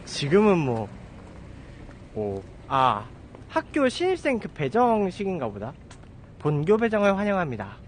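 Here a man in his thirties does a casual walking livestream along a residential street, holding his phone at arm's length. His high voice swoops wildly in pitch, and he speaks unhurriedly, pausing often and mocking himself as he rambles. There's slight background noise.

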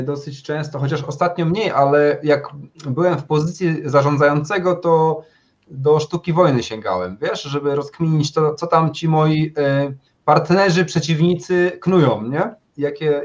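Male host, video call, a bit high-pitched, dull lo-fi audio, chatty, chimes in with agreements. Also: a little slow. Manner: chatty, short agreeing interjections. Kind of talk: casual video-call conversation.

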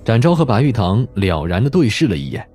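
Male, lowish voice, lively intonation, scripted story narration, light music underneath. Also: a little fast. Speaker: audiobook narrator. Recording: music behind the voice.

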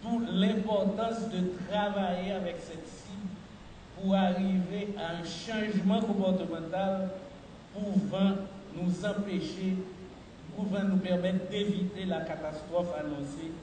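A middle-aged man gives a formal, measured speech as a health official at a podium mic in a large hall. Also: sits high, steady tone, dark tone. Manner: measured, deliberate official delivery. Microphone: podium mic on a stand. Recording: echoey hall, far from the mic, noisy.

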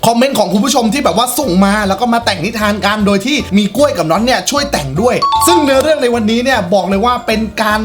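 Young guy, high voice, joking host making up a story with pals, faint music behind. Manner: playful, swears at friends, laughs often. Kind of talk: casual improvised storytelling chat.

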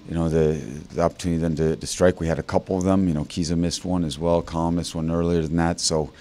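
A man in his fifties, a head coach in a postgame interview, talking haltingly with many fillers and restarts into a handheld mic. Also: low voice, level tone, mellow. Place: indoor interview backdrop. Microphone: handheld mic held by interviewer.

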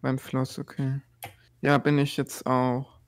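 Male teammate, casual gaming chat, steady calm delivery, medium pitch. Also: slow. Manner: calm, practical, asks where the other player is. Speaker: teammate in a Minecraft series.

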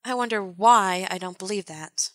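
A woman's voice: mid-range voice, normal speed, no room sound, clean studio sound, lightly acted. A woman playing an earnest, judgmental teenage girl in an audio drama. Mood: doubtful. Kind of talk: fan audio drama acting.

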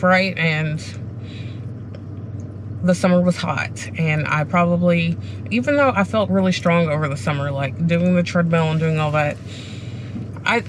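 A middle-aged woman vlogging casually to a dashboard camera in a car, talking in a candid, rambling, self-reflective way. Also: low-pitched. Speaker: running vlogger. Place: sitting inside a parked car. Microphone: camera mounted on the dashboard. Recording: clear car and background noise.

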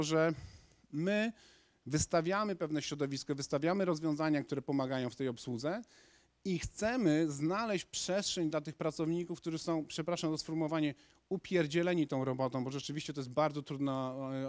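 A man in his thirties gives a lively presentation to a lecture hall audience, gesturing as he talks and often restarting his sentences. His voice sits fairly high for a man. The handheld microphone gives a dry, close sound. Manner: energetic, gesturing, with frequent restarts. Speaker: conference speaker.

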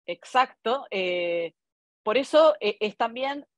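A woman's voice: fairly high pitch, lively intonation, takes it slowly, no room sound, highs cut off. Hesitant Argentine-accented woman on a video call. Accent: Argentine Spanish. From born in Italy, raised in Argentina. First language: Italian. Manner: thoughtful, many hesitations and "eh" fillers. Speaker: foreign correspondent guest. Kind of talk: relaxed conversational interview. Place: home study with bookshelves, indoors. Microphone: laptop webcam on a video call.

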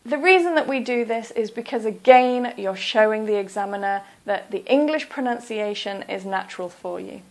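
A woman teaching an English speaking-exam lesson in a careful, deliberate, instructive way. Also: mid-range voice. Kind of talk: slow, clear lesson narration.

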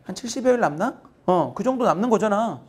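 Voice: medium pitch, animated, a little fast, breathy edge. A math teacher talking casually and directly to exam students, rambling with many fillers and acting out panicked students in quoted lines. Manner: acts out students' panicked messages in quoted voices. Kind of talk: casual encouraging talk to students.

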